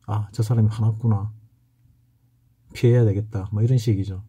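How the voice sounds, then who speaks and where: Speaking with a thick Gyeongsang accent, this middle-aged man from that South Korean region teaches saju fortune-telling in a relaxed, story-driven lecture, often stopping, restarting and wandering off on tangents. His lowish voice sounds dark, mellow and slightly husky, and his intonation stays fairly even.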